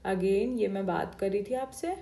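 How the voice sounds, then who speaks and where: A woman's voice: medium pitch, unhurried, gravelly, dark tone. A woman teaching an exam-prep reasoning class, explaining each step and mixing Hindi and English. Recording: echoey room.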